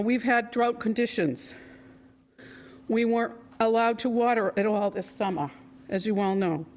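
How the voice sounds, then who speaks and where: A woman with a loud voice giving a prepared public comment at a town council meeting, reading quotes from a report. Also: medium pitch, a little hiss or hum. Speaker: resident speaking at public comment.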